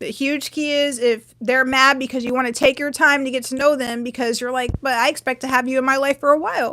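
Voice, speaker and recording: High-pitched woman's raised, projected voice with a bright, sharp tone. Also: hardly any pauses. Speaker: spiritual content creator. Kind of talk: casual livestream talk. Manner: loud; casual, filler-heavy.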